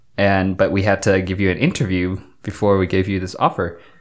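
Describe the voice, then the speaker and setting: Recorded very cleanly against a silent background, a man with a Chinese accent speaks at a fairly low pitch. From China. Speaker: former student, missionary. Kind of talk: interview.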